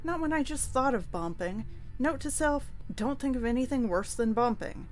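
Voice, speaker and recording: A woman's voice: high voice, expressive, normal speed, faint music behind, voice pushed up. A woman voicing a nervous young storybook hero, anxious and given to exclaiming and self-scolding. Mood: flustered.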